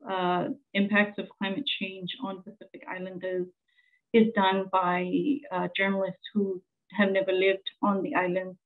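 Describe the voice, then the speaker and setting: Samoan woman presenter in her forties, earnest and halting, flat monotone, phone-thin sound. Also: medium pitch, narrow, tinny audio. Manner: earnest, halting with many fillers. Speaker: journalist presenter. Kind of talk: conference presentation.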